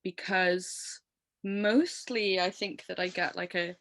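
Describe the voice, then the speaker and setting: Musician guest, woman, 30s, English accent, low smoky voice, chatty and quick to laugh, dry close sound. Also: dry recording. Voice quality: low voice from years of smoking. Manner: animated, laughs often, lots of fillers. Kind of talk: casual interview chat.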